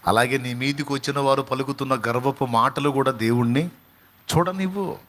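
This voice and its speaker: A man preaches a sermon at a middle pitch. He presses each point home by repeating key phrases and throwing rhetorical questions at the listener. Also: a little fast, a bit bright, a little hiss or hum. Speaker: pastor.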